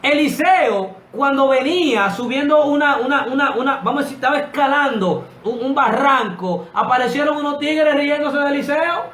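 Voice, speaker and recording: A man's voice: very high-pitched, expressive, moderate pace, few pauses, a bit bright. A man preaching with fervent, emphatic delivery on a Christian podcast. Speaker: co-host. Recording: echoey room with faint noise.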